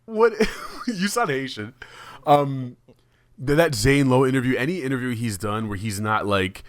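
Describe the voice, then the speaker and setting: A man with a mid-pitched voice pushes back in a loose podcast argument. The sound is dry and close. He talks in a relaxed, profane way. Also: a little slow, no room sound. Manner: casual, profane, pushes back, says "dude" often. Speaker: podcast co-host. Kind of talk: casual podcast debate.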